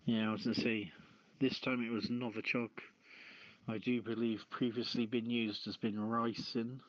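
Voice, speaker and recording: A man hosting a talk show, reading news and chatting with a halting, stumbling delivery. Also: mid-range voice, level tone. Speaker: host of an online talk show. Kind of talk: reading news aloud and casual chat. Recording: dull, lo-fi audio.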